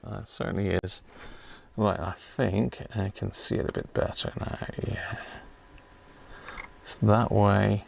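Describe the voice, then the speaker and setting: A man's voice: fairly low pitch, flat delivery, a little slow, vocal fry, long pauses. A man giving casual live commentary as he does electronics repair, chatting and half muttering to himself while he works.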